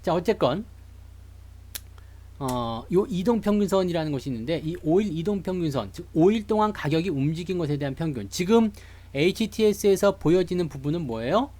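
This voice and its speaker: With a warm, expressive voice that sits a little high, a Seoul man talks a bit quickly through stock charts on a live stream. He's playful and talkative and welcomes the people in his chat.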